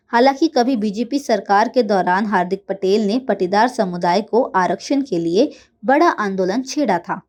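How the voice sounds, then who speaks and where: A woman news anchor reading a scripted bulletin in a formal, measured manner. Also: mid-range voice, a little mellow.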